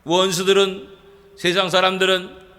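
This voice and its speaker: A man's voice: sits high, monotone, normal speed, bright, forceful tone, in a large hall. A male pastor preaching a sermon with passion, voicing anguished cries to God. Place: church sanctuary.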